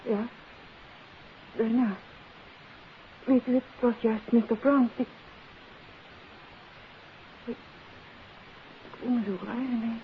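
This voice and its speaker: An anxious young woman in a vintage radio drama. Her voice is on the high side, hesitant and guarded, as if cornered by questions. The sound is thin and phone-like with a faint hiss. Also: steady tone, slow, pauses often. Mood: uneasy. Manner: hesitant, defensive. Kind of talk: 1950s Dutch radio drama acting. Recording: hissy old phone-like radio recording.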